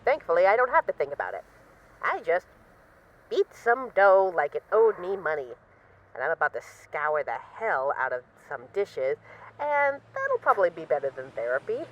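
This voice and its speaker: A woman's voice: on the low side, very animated, normal speed, highs cut off. A woman acting as a bored, restless mafia boss who misses a partner, talking in a wry, dramatic, rambling way in an intimate voice-message roleplay. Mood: restless, venting.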